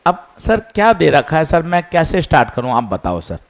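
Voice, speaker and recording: A man's voice: fairly high pitch, sing-song, normal speed. A man voicing a cheeky teenage boy student who pleads and keeps insisting, sir. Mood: pleading.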